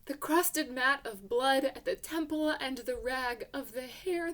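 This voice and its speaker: Woman narrating a literary story, kinda high voice, very theatrical and intense. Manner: intense, theatrical, hushed passages swelling to emotional peaks. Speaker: reader of a short story. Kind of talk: dramatic literary narration, first person.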